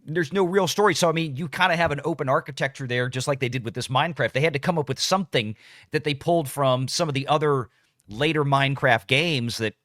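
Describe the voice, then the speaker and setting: A man's voice: fairly high pitch, quick pace, a bit bright, no echo, clean studio sound. A man casually analysing the movie business on a talk show, often repeating his opening words as he works out a point. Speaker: talk show panelist covering box office news.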